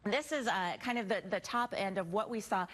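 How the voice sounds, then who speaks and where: A woman's voice: medium pitch, animated, fairly quick, fairly bright tone. An American woman presenting morning news and weather in a conversational, chatty way. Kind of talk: live newscast, partly ad-libbed forecast.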